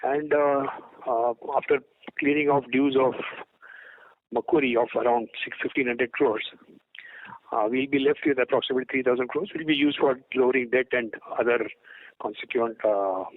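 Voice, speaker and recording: A man's voice: medium pitch, fairly even intonation, moderate pace, narrow, tinny audio. A man with an Indian accent, a company executive answering questions on an earnings call, hesitant and repeating words, over a phone conference line.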